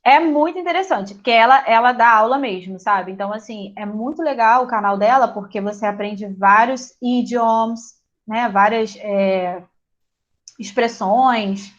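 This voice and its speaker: A woman's voice: on the high side, a little slow, highs cut off. A woman English teacher giving a casual online class, chatty and encouraging, laughing easily with students.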